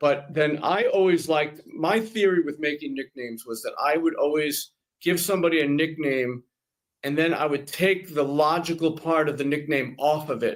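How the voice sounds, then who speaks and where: A man with a fairly high voice, ordinary pitch movement, a New York accent, and a moderate pace. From Long Island, New York. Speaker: creative director. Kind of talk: casual chat. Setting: live stream.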